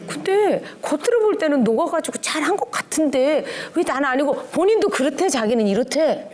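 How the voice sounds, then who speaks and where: A middle-aged woman teaching relationship skills in a lively seminar talk, animated and often laughing as she mimics quotes. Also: high voice, brisk.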